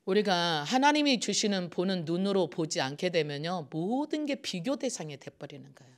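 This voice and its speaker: Middle-aged man, pastor delivering a sermon, animated pitch, asks and answers his own questions. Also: normal speed. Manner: lively, asks the congregation questions and answers them; acts out quoted voices with rising pitch and force.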